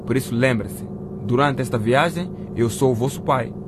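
A man's voice: medium pitch, moderate pace, natural voice. Man acting patient driver, car noise behind. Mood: serious, reassuring. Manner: patient, explaining carefully. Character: calm, cautious man driving two boys home. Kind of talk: radio drama acting.

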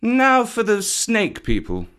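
A man's voice: high-pitched, wildly swooping pitch, a bit bright, smooth, pitched above the performer's own voice, heavily acted. A sleek male panther from a storybook, acted out by a man, wry and protective with a severe edge. The voice sits above the reader's own and moves expressively, in pointed, old-fashioned phrases. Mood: brisk. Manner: archaic, pointed, measured phrasing.

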